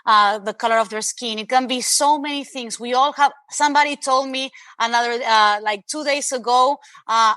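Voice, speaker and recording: Bright, accented woman on a video call. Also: a little high, dry recording. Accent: Spanish. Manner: earnest, emphatic, addresses host by name. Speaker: author and interview guest. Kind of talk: animated interview talk.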